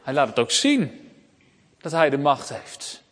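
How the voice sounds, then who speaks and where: Pastor preaching in a ringing church. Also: male voice, medium pitch, a little slow, long reverb tail. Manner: lively preaching that talks straight to the children. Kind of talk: sermon.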